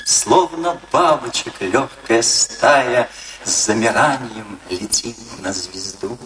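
An actor playing a lyrical, melancholy poet reciting verse in a radio drama. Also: male voice, mid-range voice, slow, a little hiss or hum. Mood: wistful. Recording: distant voice under loud violin music.

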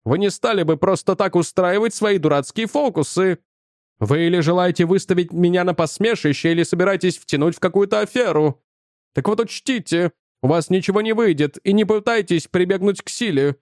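A man voicing an agitated older male physics professor with a shrill voice, accusing and insistent. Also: fairly quick, darkish tone, no echo, studio quality, close to an everyday voice. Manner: accusing, insistent, increasingly frantic.

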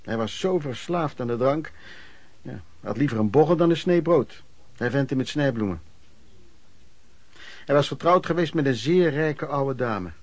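A man's voice: mid-range voice, lively intonation, moderate pace, long pauses, darkish tone, no echo. An actor playing a former street peddler who frankly recounts his youth as radio play narration, in a conversational way. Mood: storytelling. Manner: conversational storytelling.

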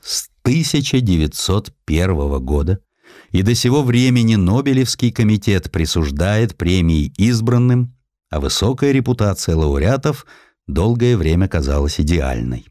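A man's voice: deep voice, big pitch swings, normal speed, mellow, dry recording, clean studio sound. A man narrating a historical essay with theatrical, emphatic, scripted delivery.

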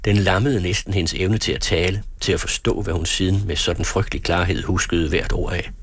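A man reading a literary novel aloud as an audiobook narrator, in a measured, earnest storytelling manner. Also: low voice, fairly even intonation, slightly rough, dry recording.

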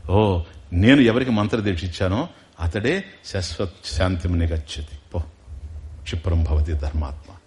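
A man's voice: sits low, darkish tone. A man giving a religious discourse, telling a devotional story, asking his listeners questions and acting out the characters' lines. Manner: slows down for emphasis, chants Sanskrit verses. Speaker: spiritual discourse speaker.

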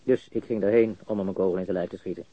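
A man's voice: low-pitched, steady tone, fast talker, muffled recording. An actor playing a cocky, jittery criminal suspect in a radio drama, stammering, repeating himself and swearing as he confesses. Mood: smug, amused.

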